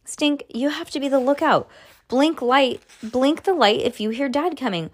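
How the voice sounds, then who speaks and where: Woman voicing an excitable, bossy little schoolgirl, pitched up. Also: normal speed, natural voice. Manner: insistent, exclaiming, dramatic. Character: excitable bossy young schoolgirl leading a mock protest.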